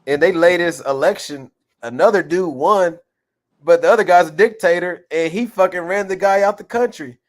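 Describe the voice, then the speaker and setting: A man from the United States chatting casually as a co-host, telling stories in an animated, profane way. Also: high voice, normal speed. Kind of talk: casual chat.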